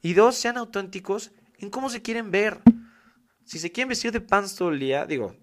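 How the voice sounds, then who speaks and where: A man with a Mexican accent talks through a casual podcast monologue. His voice sits a little higher than most men's, and his delivery is emphatic and full of slang as he keeps circling back to the same points. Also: normal speed. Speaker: podcast host.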